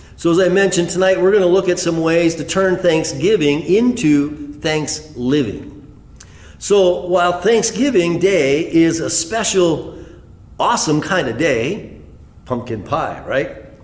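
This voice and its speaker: A man speaks fairly slowly, his voice carrying audible room echo. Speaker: pastor. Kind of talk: sermon. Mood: warm, encouraging. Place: church. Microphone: phone near.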